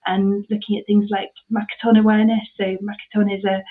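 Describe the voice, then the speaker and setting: A woman's voice: medium pitch, level tone, a little fast. A woman, answering interview questions about her charity work with many ums and restarts. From mid Devon, England. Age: 30s. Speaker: charity ministry worker. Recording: tinny phone-like line.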